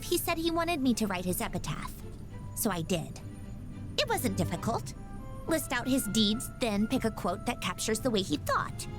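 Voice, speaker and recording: An actress playing a proud young woman inventor in a video game, haughty and sardonic yet composed. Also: on the high side. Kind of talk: video game character voice lines. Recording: background music.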